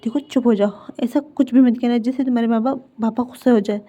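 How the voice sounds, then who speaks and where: A woman voicing a gentle, worried middle-aged mother who hushes and soothes, in a dull lo-fi recording. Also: on the high side, fairly even intonation, quick pace, lightly acted.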